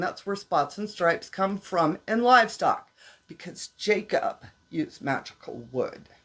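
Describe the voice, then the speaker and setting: A woman speaks with a Southern US accent. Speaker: witchcraft channel host. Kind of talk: casual tutorial. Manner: relaxed, conversational.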